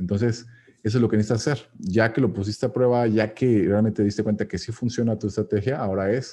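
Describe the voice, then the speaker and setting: Speaking very fast, a man with a fairly low pitch and a dark, mellow tone keeps his intonation fairly even against a quiet background. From Mexico, Toluca. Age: 30s. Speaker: trading academy CEO and trader. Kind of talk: interview on live stream.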